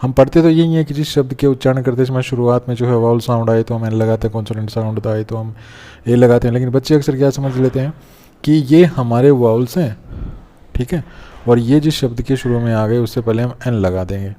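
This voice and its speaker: A man teaching an English grammar lesson step by step, often pausing to check that students follow. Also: mid-range voice, steady tone, mellow. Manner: explains step by step, often checks with "theek hai na". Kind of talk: classroom-style grammar lesson.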